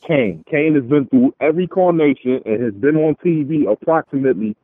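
A man's voice: fairly high pitch, a little fast, husky. A man with a Brooklyn accent calling in to a show over the phone and chatting casually as a fan. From Brooklyn, New York. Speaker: phone-in caller. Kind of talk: casual sports fan chat. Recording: narrow tinny phone line.

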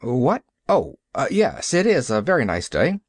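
A man voicing a troubled, stern minister who speaks in a deep, grave preaching cadence. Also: huge pitch swings, measured pace, dry recording. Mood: weary. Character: troubled, stern middle-aged male minister.

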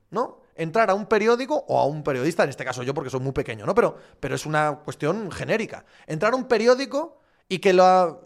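A man with an Asturian accent, a sports journalist casually answering viewer questions, animated and swearing freely. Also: high voice. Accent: Asturian Spanish. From Asturias, Spain. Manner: animated, swears, acts out shouting fans. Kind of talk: casual live chat.

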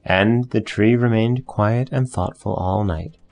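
Gravelly low-voiced male narrator. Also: a little slow, darkish tone, soft background music. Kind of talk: scripted fairy-tale narration.

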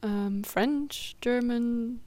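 A woman's voice: a little high, extremely slow, dark tone, no echo. A young woman from Belgium whose first language is Dutch, chatting casually on a student radio show and explaining things at length with fillers. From Belgium, Limburg in Flanders. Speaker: radio show host and guest.

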